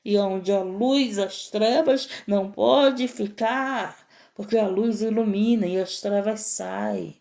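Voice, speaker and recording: A woman's voice: mid-range voice, slow pace, creaky, mellow. A middle-aged woman missionary, preaching a fervent sermon and repeating prayer refrains.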